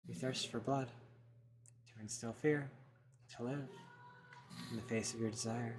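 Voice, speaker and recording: A man voicing a sly male tempter who taunts a killer in a quiet, low, mocking tone. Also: fairly even intonation, a little slow, music in the background, lightly acted.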